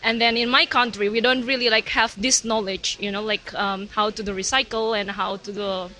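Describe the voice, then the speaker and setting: A woman's voice: mid-range voice, steady tone, moderate pace, pushed and bright, rough recording. A young woman from Indonesia with an Indonesian accent, speaking hesitantly in a casual roundtable discussion. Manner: hesitant, searching for words. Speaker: roundtable participant.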